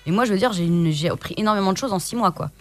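A female guest on a casual radio interview who talks fast and eagerly, piling on fillers. Her voice sits at a mid pitch and she stresses her points. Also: faint music behind. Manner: quick, eager, emphatic with fillers. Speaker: guest entrepreneur.

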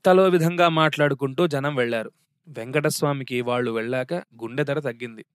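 A man narrating a story in a steady, wry reading voice. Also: mid-range voice, a little fast, clear, resonant tone, no room sound, studio quality.

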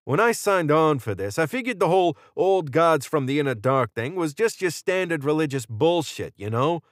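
A man's voice: on the high side, animated, normal speed, no room sound, studio quality, pitched above the performer's own voice, natural voice. A man voicing a cocky, flippant cult gunman in an audiobook, glib, slangy and sarcastic. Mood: glib, candid. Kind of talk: audiobook character dialogue.

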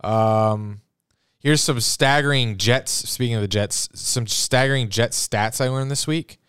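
A man's voice: mid-range voice, a little slow, a bit bright, smooth, dry recording, clean studio sound. A man co-hosting a casual sports podcast, rambling and incredulous, often trailing off mid-thought. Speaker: podcast co-host.

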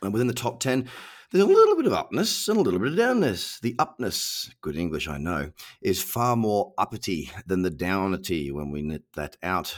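On his casual solo podcast, a middle-aged Australian host chats in a slangy, self-deprecating way. His lowish voice has a nasal quality from a cold.

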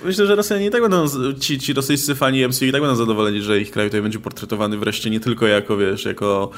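A man's voice: mid-range voice, fairly even intonation, racing. A man co-hosting a casual film discussion podcast, talking with many fillers and restarts. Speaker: podcast co-host.

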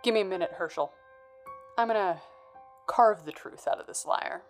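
A woman's voice: mid-range voice, moderate pace, faint music behind, lightly acted. Noir audio drama: woman as tough crime boss, middle register, clipped, sardonic menace, faint score underneath. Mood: menacing. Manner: sardonic, hard-boiled, clipped.

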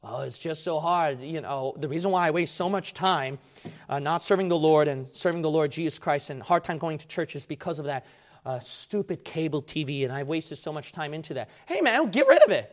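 A man's voice: a little high, animated, brisk. A man preaching a sermon, emphatic and confrontational, firing rhetorical questions and acting out his listeners' excuses. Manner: acts out imagined excuses in quoted voices.

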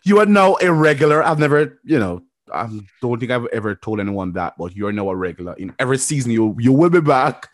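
A man's voice: medium pitch, expressive, quick pace, no echo. Encouraging male podcast host, dry sound. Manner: encouraging, affirms often with "yeah". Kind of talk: casual interview chat.

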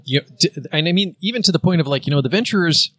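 Rambling Canadian man on a husky, dry mic. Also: a little high, expressive, fast talker, a bit bright, dry recording. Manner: rambling, many fillers and restarts. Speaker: podcast co-host. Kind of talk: casual chat.

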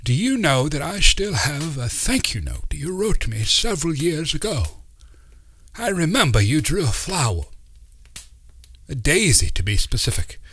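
A man putting on a fussy, excitable old uncle. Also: a little high, unhurried, breathy edge, pitched above the performer's own voice, heavily acted. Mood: delighted. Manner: fussy, rambling, theatrical. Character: eccentric excitable old uncle, male, whimsical.

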